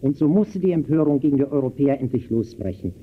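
A man's voice: medium pitch, animated, fast talker, natural voice. Actor as earnest declaiming man, muffled old recording. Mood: indignant, earnest. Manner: declamatory, rhetorical. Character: earnest, indignant male debater lecturing on injustice. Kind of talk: 1920s German radio play dialogue. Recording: dull old radio recording, faint noise.

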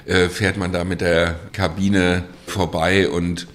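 A male design professor speaking casually in an interview, halting with fillers. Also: deep voice, level tone. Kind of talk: interview soundbite.

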